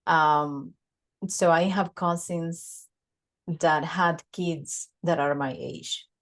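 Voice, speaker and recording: Lady in her 40s, lowish voice, talks real slow with lots of ums, video call. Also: fairly even intonation. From Bogota, Colombia. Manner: unhurried, many pauses and fillers. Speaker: guest. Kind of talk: casual interview, telling life story. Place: home office with bookshelves. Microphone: desk microphone on a video call.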